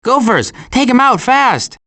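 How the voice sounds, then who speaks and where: An actor voicing a cautious, worrying turtle in an animated video game, with a dry, hesitant and wry delivery. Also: male voice, very high-pitched, a little slow, exaggerated voice. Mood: urgent. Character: cautious, worrying male cartoon turtle, dryly sarcastic.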